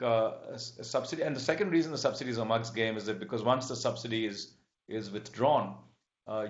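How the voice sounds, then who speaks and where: A man answering as a company executive on an earnings call, in a measured, halting, explanatory manner. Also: lowish voice. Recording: dull, echoey conference-call audio.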